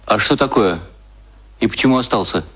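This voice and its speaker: An actor playing a brooding, ironic, intellectual advertising copywriter in an audio drama, speaking in a measured, deliberate way. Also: male voice, on the low side, a bit bright, breathy edge, dry recording. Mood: wary. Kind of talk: audio drama acting, inner monologue and reading. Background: music.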